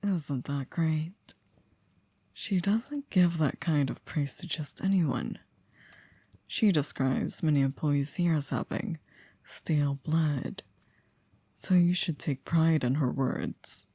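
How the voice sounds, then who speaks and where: A woman playing a poised, coolly controlling maid to a vampire in an ASMR roleplay, speaking formally and politely in a hushed, breathy, often near-whispered voice. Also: sits low, no echo, full character voice. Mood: calm, devoted. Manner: formal, polite, measured, with stiff wording.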